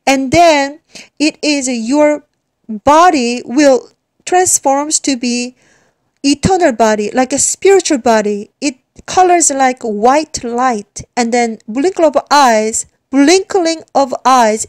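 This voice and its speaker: A woman from South Korea with a Korean accent, giving an earnest religious testimony in halting English, often repeating and restarting words. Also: sits high, dry recording.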